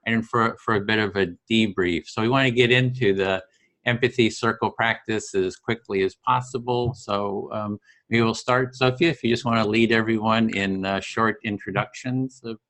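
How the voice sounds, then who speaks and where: A man's voice: lowish voice, normal speed. A man running an online meeting, laying out the plan steadily with a few fillers, over a video call. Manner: organizing, steady with frequent fillers. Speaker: facilitator of an online empathy circle. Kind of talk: casual meeting facilitation.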